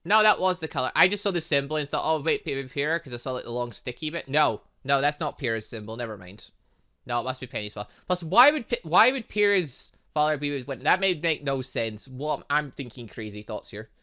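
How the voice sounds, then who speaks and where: Animated man, bright lively voice. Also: mid-range voice, fairly quick. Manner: excitable, rambling, reacting aloud. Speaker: gaming video host. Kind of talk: casual game commentary with lines read aloud from a visual novel.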